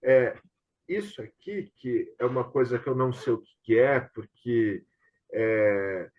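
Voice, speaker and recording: This Brazilian man, a host and theatre director, talks in a mid-range voice at a slightly slow pace. He explains points in a casual online discussion, often tagging on questions to check agreement, recorded as dull, lo-fi video-call audio.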